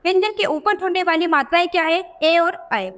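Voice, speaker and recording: A woman teacher patiently explaining vowel signs to young children, often asking questions and drawing out sounds slowly. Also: very high voice, fairly bright tone, in a large hall. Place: teaching video voice-over.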